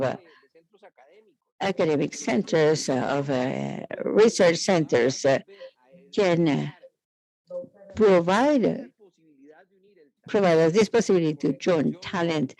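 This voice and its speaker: A man giving live interpreted conference speech in halting, piecemeal phrases with frequent hesitations. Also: on the high side, gravelly, darkish tone, rough recording.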